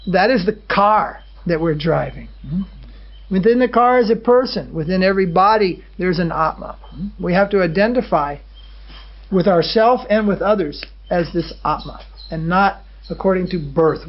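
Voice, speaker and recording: A swami delivers a spiritual lecture in a high voice, speaking in measured phrases and often pausing to ask his listeners "hmm?". He is heard through a dull, lo-fi recording. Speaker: swami giving a spiritual talk. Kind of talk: religious lecture.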